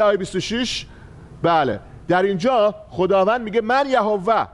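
A man preaching a sermon as pastor, teaching from slides and repeating his key phrases for emphasis. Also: high-pitched.

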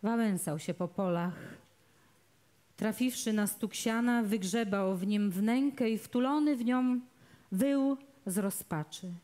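A woman, an actress, reading a novel aloud in a measured, dramatic storytelling manner, outdoors in a public garden. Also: mid-range voice, warm tone. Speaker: reader, actress.

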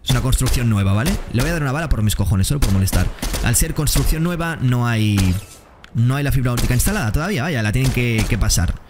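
A man giving excitable, slangy commentary while playing a game. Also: medium pitch. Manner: excitable, slangy, quick exclamations to opponents. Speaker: gaming streamer. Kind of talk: gameplay commentary. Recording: gameplay noise and gunfire behind.

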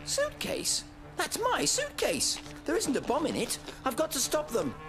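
An actor voicing an innocent young cartoon bear, courteous, earnest and matter-of-fact. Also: male voice, very high voice, huge pitch swings, unhurried, exaggerated voice. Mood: alarmed. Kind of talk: animated cartoon acting. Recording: cartoon music behind voice.

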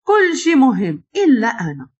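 A woman's voice: a little high, huge pitch swings, moderate pace, slightly rough, dull audio, voice pushed up, full character voice. A woman with a Moroccan accent voicing a jealous, spoiled young woman, whiny and sarcastic.

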